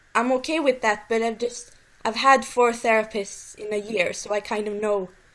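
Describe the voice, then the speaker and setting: Here a woman with a non-native accent talks at a moderate pace. Her fairly high voice keeps a fairly even intonation. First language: not English. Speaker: caller asking for advice. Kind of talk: video call question. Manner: halting.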